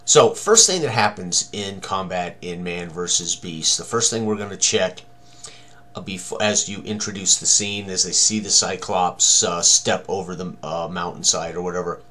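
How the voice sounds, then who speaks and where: A man in his sixties walking through tabletop game combat rules as a tutorial, halting and thinking aloud as he works. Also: sits low, pushed and bright.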